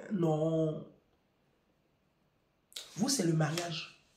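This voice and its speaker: A woman's voice: low voice, fairly even intonation, drawn-out words, darkish tone, roomy sound, a little hiss or hum. A woman from Africa talking casually to an audience, telling a personal story and then giving emphatic parenting advice, addressing listeners directly and repeating phrases.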